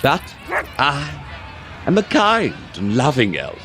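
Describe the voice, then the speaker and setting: An actor playing a gloating, cruel dark elf lord in an audio drama, theatrical and mock-sweet as he savors each word. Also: mid-range voice, huge pitch swings, slow pace, over music. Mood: mock-sweet cruelty. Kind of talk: scripted audio drama acting.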